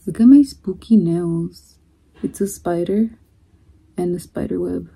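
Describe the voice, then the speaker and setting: A young woman talks to her camera from her bedroom, easygoing and a little scattered, drifting between thoughts with fillers. Her voice is dark and mellow with a husky edge, and she takes her time over every phrase. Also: fairly low pitch. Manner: chatty, unhurried, trailing off with fillers. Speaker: vlogger. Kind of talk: casual mukbang chat.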